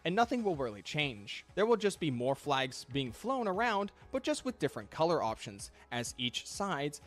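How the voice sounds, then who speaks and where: A man reading a scripted video essay, measured and reflective, critical in tone. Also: fairly high pitch, very animated, faint music behind. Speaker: commentary channel host.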